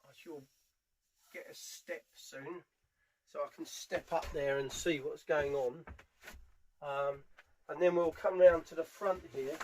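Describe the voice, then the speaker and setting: British male tradesman, voice a little on the high side, informal step-by-step demo delivery while hands are busy. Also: fairly even intonation, slow, pauses often, a little mellow, a little hiss or hum, rough recording. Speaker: furniture polisher giving a how-to demonstration. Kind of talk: casual hands-on tutorial narration. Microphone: camera mic on a tripod, at varying distance.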